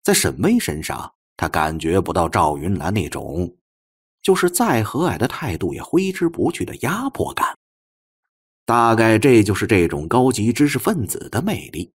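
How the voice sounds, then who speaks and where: A man's voice: on the low side, very animated, moderate pace, slightly rough. A man narrating a scripted audiobook story as a storyteller.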